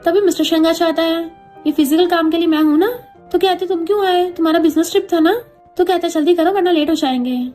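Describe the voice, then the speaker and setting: A woman with a very high voice recaps a drama in a chatty storytelling way. She speaks each character's lines in her own voice. Faint music plays behind her. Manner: lively, voices every character in the same voice.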